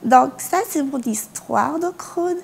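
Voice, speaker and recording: A woman's voice: high-pitched, animated, takes it slowly, gravelly. A young woman from France giving a personal faith testimony as a university student, earnest, with hesitant restarts and small laughs. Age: young adult.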